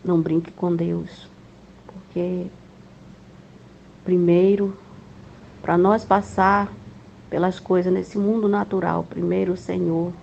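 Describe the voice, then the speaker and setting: A woman's voice: on the low side, flat delivery, slow, vocal fry, long pauses, darkish tone. A woman giving an earnest, emotional religious testimony to fellow believers, in a dull, slightly lo-fi recording. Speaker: church member giving testimony. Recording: dull lo-fi with faint noise.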